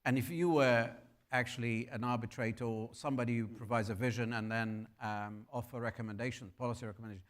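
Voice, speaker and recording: A man from Iraq chairs a conference panel, cutting in politely to steer the talk and hand questions to each speaker. His voice sits at a middling pitch. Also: steady tone, fast, few pauses. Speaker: moderator. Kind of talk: moderating a panel. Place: conference hall.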